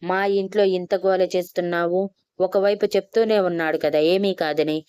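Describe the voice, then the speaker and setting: A woman's voice: lowish voice, steady tone, fairly quick, mellow, clean tone, dry recording, studio quality, close to an everyday voice. A woman voicing a rich young man who speaks in an irritated, dismissive way in an audio story.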